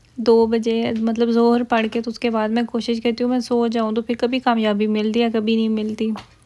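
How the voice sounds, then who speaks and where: Fairly high pitch from a woman, monotone and flat in intonation, at a moderate pace. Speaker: lifestyle vlogger. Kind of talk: vlog voice-over. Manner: lazy, weak-sounding; casual, chatty.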